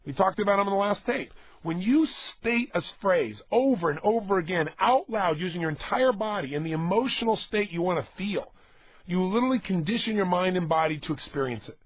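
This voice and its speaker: A man delivers an exhorting motivational talk and drives each point home by repeating it. His voice sits high and sounds husky. The sound is dry and dull, like an old audio tape. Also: animated, a little fast, dry recording. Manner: emphatic, repetitive and exhorting. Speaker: motivational speaker. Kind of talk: motivational talk to a studio audience.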